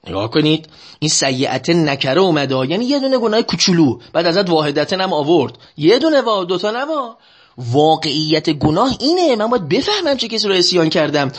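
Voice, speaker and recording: Male preacher, husky and high, very lively pitch. Chants prayer lines slowly, explains them faster, keeps urging listeners to pay attention. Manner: slow, drawn-out chanting of Arabic lines, then quicker plain explanation. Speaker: religious lecturer. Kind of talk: sermon explaining Arabic prayers.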